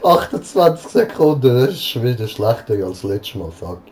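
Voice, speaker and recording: A man's voice: medium pitch, very animated, moderate pace, a little mellow. A man reacting casually to videos, cursing and breaking into stifled giggles. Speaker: host of a try-not-to-laugh reaction video. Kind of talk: casual reaction chat with swearing.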